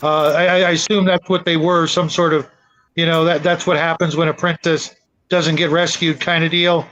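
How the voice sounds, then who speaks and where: A man in casual conversation about tabletop games, rambling and halting as he repeats his words. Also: on the high side, flat delivery, fairly bright tone, low-quality recording. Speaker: panelist on a role-playing show.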